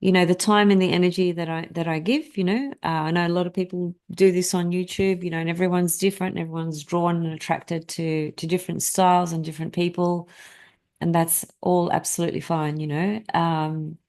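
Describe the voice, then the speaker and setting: Low-leaning and darkish, her voice stays fairly even in intonation while moving briskly. Greek is her first language, and on her laid-back astrology stream she talks to viewers in a meandering way, full of fillers and false starts.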